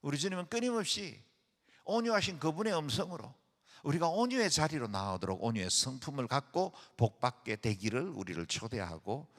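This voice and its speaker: Male pastor, earnest sermon delivery, lively pitch, long church reverb. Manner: earnest preaching with rising emphatic phrases. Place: church sanctuary.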